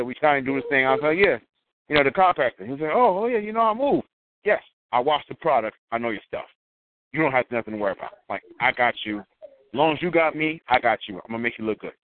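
Animated man telling stories over a phone line. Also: mid-range voice. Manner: animated, acts out quotes in a raised voice. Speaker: guest wrestler. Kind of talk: casual storytelling chat. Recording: tinny phone-line audio.

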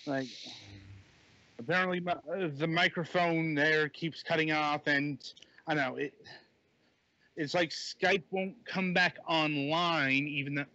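A man co-hosts a laid-back game review podcast, speaking in a fairly high, steady voice at a measured pace, bright and forceful. He chats casually, full of fillers and restarts. The dry recording comes through a dull, lo-fi phone mic.

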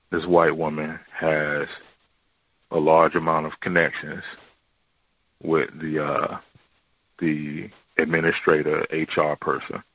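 A man calling in to describe his workplace, talking in a halting way with many fillers and restarts, in a deep voice. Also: fairly bright tone, no room sound, lo-fi sound. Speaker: caller. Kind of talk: casual call-in account.

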